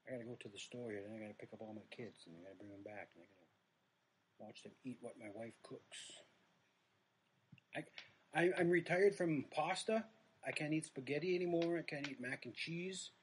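On a low-quality recording with slight background noise, a middle-aged man with a mid-range voice hosts a livestream. He's a comedian from the Red Lake reservation, United States, with a Native American reservation accent. His casual chatter is rambling and self-deprecating, and it tends to trail off.

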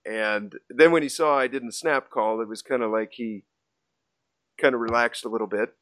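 A man's voice: mid-range voice, steady tone, moderate pace, a bit bright, dry recording, clean studio sound. A man hosting a podcast, casually recounting a poker hand he played, with lots of fillers and restarts. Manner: storytelling with many fillers and restarts. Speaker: podcast host.

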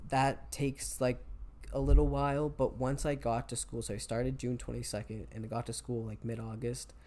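A young man, talking casually as an interview guest and rambling with many fillers; his voice jumps higher when he gets excited. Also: normal speed. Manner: rambling, heavy use of "like". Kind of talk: casual conversation.

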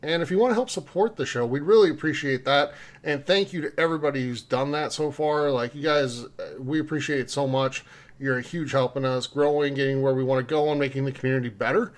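A man's voice: mid-range voice, quick pace. A man hosting a podcast in a casual, conversational way, speaking informally to co-hosts and listeners. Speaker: podcast host. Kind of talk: casual podcast talk with community announcements.

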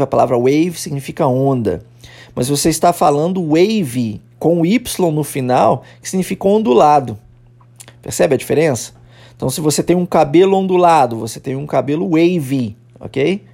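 A man teaching English in a podcast lesson, patiently explaining and slowly repeating example phrases for learners to copy. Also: fairly high pitch, creaky, dark tone. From Brazil.

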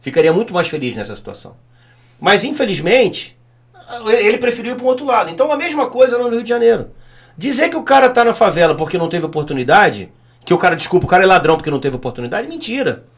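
High-voiced, blunt middle-aged man. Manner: emphatic, repetitive, blunt, storytelling. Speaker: guest, former police officer and politician. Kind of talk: casual interview storytelling.

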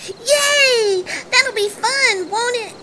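A woman playing an excitable, innocent little girl in an audio drama. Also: very high voice, very slow, heavy background noise, full character voice. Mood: excited.

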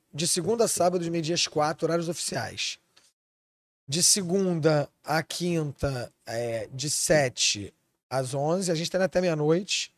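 A man's voice: fairly high pitch, dry recording. A man from Switzerland, a chef and restaurant owner, talking animatedly in a casual podcast chat and swearing freely.

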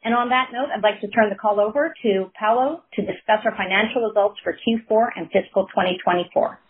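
A woman company executive giving a formal, scripted corporate presentation on an earnings call, in a measured business delivery. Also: mid-range voice, husky. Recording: narrow, tinny conference call line.

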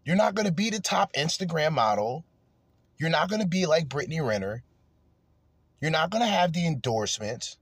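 A man's voice: fairly high pitch, very animated, normal speed, slightly rough, dry recording. A man hosting a podcast, ranting crudely and angrily in heated commentary. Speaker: podcast host.

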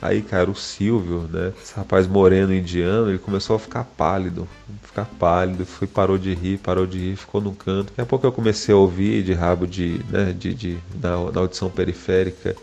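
A man telling a funny personal story in a casual chat, animated and laughing often as he acts out the dialogue. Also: deep voice, a little fast, gravelly, few pauses, faint music behind.

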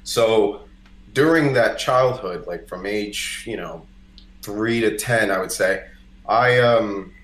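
Low-voiced Costa Rican-born man, roomy sound. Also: slow pace, fairly bright tone. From Costa Rica. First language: Spanish. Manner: conversational, peppered with "like" and "you know". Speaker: podcast guest, singer-songwriter. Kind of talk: casual chat, personal storytelling. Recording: roomy, echoey indoor sound.

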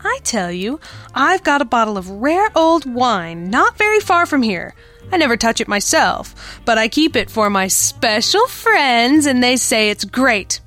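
A woman's voice: a little high, sing-song, a little slow, a bit bright, soft background music. A woman playing a sweet, scheming young dance-hall girl in the melodramatic style of an old pulp radio drama. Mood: coaxing.

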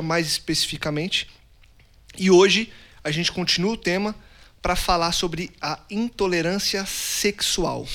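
A man's voice: fairly high pitch, fairly bright tone. Upbeat male podcast host. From São Paulo, Brazil. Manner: friendly, teasing introductions, fast bursts.

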